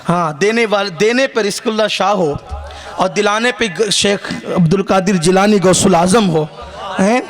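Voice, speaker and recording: A man preaching a sermon to a gathering in South Asian Urdu, impassioned, rising to shouts and joking with the crowd. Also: high voice, soft background music. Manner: jokes with the crowd. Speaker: religious orator. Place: outdoor religious gathering with listeners.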